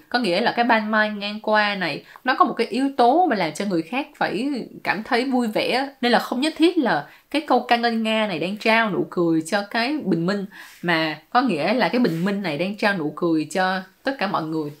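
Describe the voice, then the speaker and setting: A woman, giving casual, playful commentary as a YouTuber explaining her song-lyric translations and dropping English words into her talk. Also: mid-range voice.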